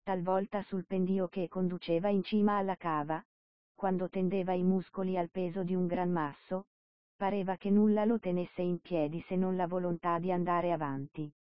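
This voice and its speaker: Brief: female audiobook narrator, lowish voice, steady measured reading, dull lo-fi sound. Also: no room sound. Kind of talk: scripted narration. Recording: dull dry lo-fi recording.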